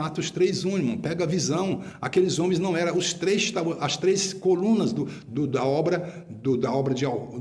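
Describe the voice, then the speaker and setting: A man's voice: on the high side, darkish tone. A man preaching a sermon as an apostle, emphatic and rebuking, repeating phrases for stress.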